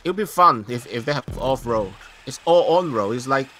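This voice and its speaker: A man's voice: mid-range voice, lively intonation, moderate pace, pushed and bright, a little hiss or hum. A man from Hong Kong who speaks English with a Chinese accent, chatting casually during a game and sometimes searching for words. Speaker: guest gamer. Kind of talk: casual gaming chat.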